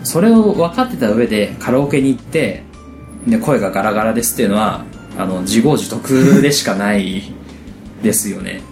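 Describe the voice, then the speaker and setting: Animated male co-host in an echoey room. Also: lowish voice, brisk. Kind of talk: casual chat. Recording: echoey room with music behind. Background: background music.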